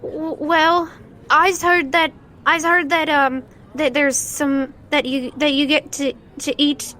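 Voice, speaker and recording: A woman voicing a small, poor, ragged boy who speaks politely and haltingly in a tabletop game. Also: high voice, little pitch movement, sharp tone, voice pushed up, full character voice. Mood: shy, hopeful.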